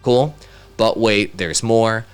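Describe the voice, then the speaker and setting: A man presenting a casual software tutorial in an upbeat, conversational way, speaking directly to viewers into a studio microphone. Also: fairly low pitch, takes it slowly, clean tone, soft background music. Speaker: tutorial host, content creator. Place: home studio.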